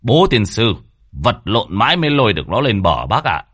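A man's voice: lowish voice, big pitch swings, a bit bright, breathy edge, no room sound, clean studio sound, heavily acted. A man doing a panicky, gossipy village man. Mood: chatty. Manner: fast, panicky and exclaiming. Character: excitable gossipy middle-aged village man.

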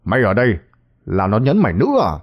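A man voicing a gruff, practical, teasing fisherman in an audio horror story, with a blunt, matter-of-fact manner. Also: fairly low pitch, wildly swooping pitch, quick pace, muffled recording, exaggerated voice. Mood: blunt, amused.

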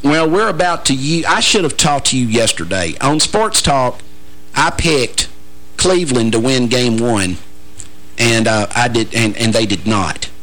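A man, hosting a radio interview in a teasing, joking way with halting restarts. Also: medium pitch, expressive, a bit bright, poor audio. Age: 40s. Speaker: radio show host. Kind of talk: casual interview chat.

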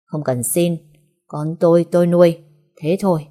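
A cold, resentful young father with a hard, curt edge, as a woman narrator puts him on. He speaks slowly and deliberately, in a voice dropped low and mellow for the storybook reading. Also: fairly even intonation, natural voice. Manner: cold, clipped, slow deliberate delivery.

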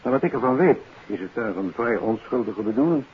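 An actor as genial police official, medium-pitched. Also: male voice, lively intonation, brisk, close to an everyday voice. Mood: genial, reflective. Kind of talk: 1950s radio drama acting. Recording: dull, hissy 1950s radio recording.

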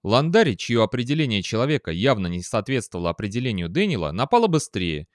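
Expressive male audiobook narrator. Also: mid-range voice, fast, no echo, clean studio sound. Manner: expressive, with a lively tone. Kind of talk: scripted narration.

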